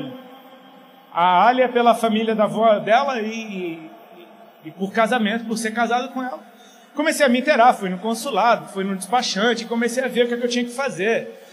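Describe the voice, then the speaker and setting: A middle-aged man from Paraíba, Brazil, preaching a casual, joking sermon that swings from quiet to loud. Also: very high voice, a little hiss or hum.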